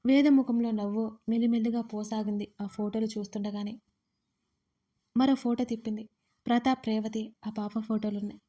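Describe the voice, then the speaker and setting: A woman narrates a dramatic audio story with a steady, measured reading. Her voice sits on the higher side, with a mellow, dark warmth.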